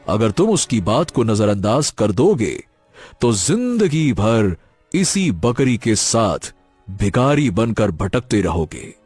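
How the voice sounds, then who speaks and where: An actor voicing a wise, mysterious old hermit sage in a cartoon story, speaking calmly and soothingly. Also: male voice, on the low side, breathy edge, no echo, faint music behind, full character voice. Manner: calm, soothing, measured.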